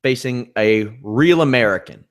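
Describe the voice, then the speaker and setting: Male podcast co-host, nasal tone, mid pitch, dry sarcastic chat. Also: lively intonation, normal speed. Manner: wry, sarcastic asides. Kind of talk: casual wrestling chat.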